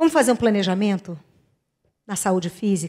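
A woman is speaking. The background is quiet. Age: 50s. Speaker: psychologist and lecturer; lecturer. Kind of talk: lecture. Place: hall. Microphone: handheld.

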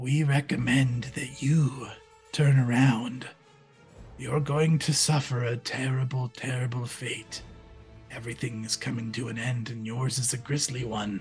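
A soft-spoken, put-on character voice sits at a low-to-middle pitch and moves at a moderate pace. Faint music plays in the background. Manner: calm, eerily polite, ominous.

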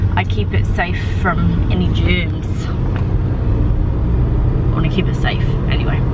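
A woman speaks with long, frequent pauses. Loud noise fills the background. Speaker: vlogger. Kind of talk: casual vlog chat. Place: car. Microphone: phone near.

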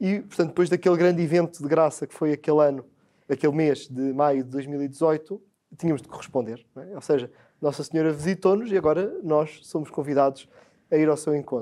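Against a quiet background, a man with a dark, mellow tone speaks at a fairly quick pace, his loudness swinging widely. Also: ordinary pitch variation. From Portugal, Belas (Sintra), Lisbon area; Portugal. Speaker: priest guest on morning show. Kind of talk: TV talk show interview. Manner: halting, frequent repetitions and fillers. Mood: earnest, warm, explanatory. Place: studio. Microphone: lapel.

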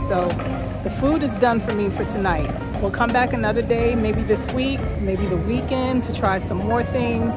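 Loud music plays in the background as a woman talks at a moderate pace. Her voice is dry, with no echo. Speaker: travel vlogger. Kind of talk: casual vlog chat. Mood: relaxed, upbeat. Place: street. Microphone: phone near.

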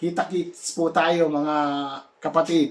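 The speaker is a man with a fairly high pitch. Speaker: vlogger. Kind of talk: vlog commentary; earnest, polite talk about an upcoming church rally, not a rally speech. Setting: online video, solo. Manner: polite, formal, repeats 'po'; halting, with fillers and repeated phrases.

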